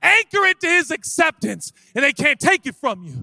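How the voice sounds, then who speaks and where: With an American accent, a man speaks in a raised, projected voice at an extremely high pitch, bright and sharp in tone, animated and lively in intonation, at a moderate pace, in a dry, close sound with no echo. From US Pacific Northwest (Seattle). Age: 40s. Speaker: pastor. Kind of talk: sermon. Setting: stage with audience.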